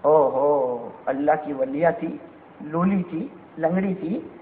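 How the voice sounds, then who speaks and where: A man's voice: a little high, a little hiss or hum. A male preacher telling a story in a sermon, asking the crowd rhetorical questions. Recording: tinny echoey hall recording.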